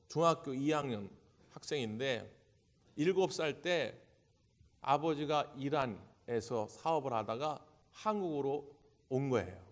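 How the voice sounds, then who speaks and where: A man pastor preaching a sermon in a church sanctuary, dramatic and animated, acting out the voices he quotes. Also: on the high side. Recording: church hall with long reverb.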